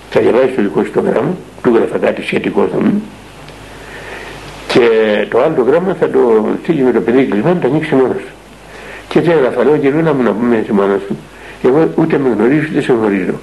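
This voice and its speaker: A man's voice: mid-range voice, a little mellow, rough recording. An older man, a monastic elder and spiritual father from Greece, telling a story in a radio interview in an earnest, rambling way with many fillers and restarts.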